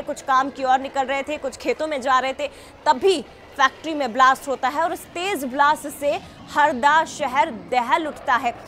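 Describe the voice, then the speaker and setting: High, bright-voiced woman news anchor. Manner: urgent, dramatic delivery. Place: TV news studio.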